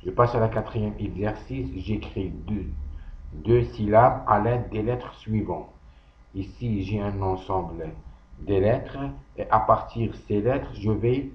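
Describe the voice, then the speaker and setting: Slow, deliberate male teacher. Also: fairly low pitch. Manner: slow, deliberate, thinking aloud with pauses. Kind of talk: slow worksheet walkthrough. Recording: echoey room, dull lo-fi audio.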